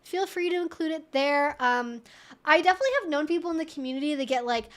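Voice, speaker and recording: A woman hosting a casual question-and-answer livestream, talking in an animated, emphatic way with conversational asides. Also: high-pitched, fast. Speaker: livestream host.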